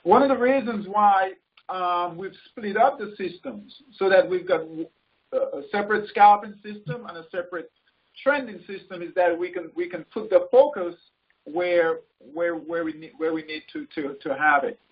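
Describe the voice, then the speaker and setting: A man leading a group call as a coach, informally explaining things in halting, repeated phrases and often checking in. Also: high-pitched, lively intonation. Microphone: conference call line. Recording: muffled, noisy conference call audio with clicks.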